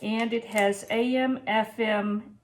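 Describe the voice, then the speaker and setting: A woman's voice: fairly high pitch, fairly even intonation, slow. A woman in her sixties talking casually to camera in a home kitchen, plain-spoken and practical, as a vlogger giving advice and reviews. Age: 60s. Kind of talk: casual talk to camera about preparedness and a product review.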